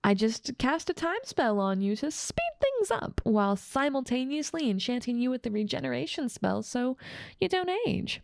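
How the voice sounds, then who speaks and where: A woman voicing a cold, controlling evil witch in an ASMR audio roleplay, talking down to a captive in a smug, condescending way and often dropping to a soft whisper, close to the mic. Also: sits high, sing-song, moderate pace, vocal fry, no room sound, exaggerated voice. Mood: gleeful.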